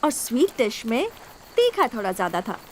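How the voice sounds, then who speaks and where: An actress dubbing a spirited young woman who is apologetic yet cheeky, with drawn-out, sulky and playful delivery. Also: a little high, huge pitch swings, noisy background. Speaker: film heroine in a dubbed movie. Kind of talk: Hindi film dubbing.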